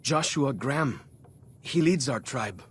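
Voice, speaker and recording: A man's voice: mid-range voice, animated, slow, fairly bright tone, husky, heavily acted. A man playing a friendly young tribal scout guide in a video game, easygoing and folksy with clipped phrasing. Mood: helpful, proud. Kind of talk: video game character dialogue.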